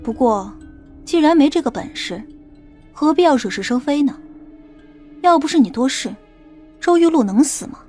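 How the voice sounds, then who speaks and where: A woman playing a stern, sharp-tongued female police captain in an audiobook, questioning a suspect in a cold, accusing manner. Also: sits high, lively intonation, moderate pace, long pauses. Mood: scornful. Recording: faint music bed under the voice.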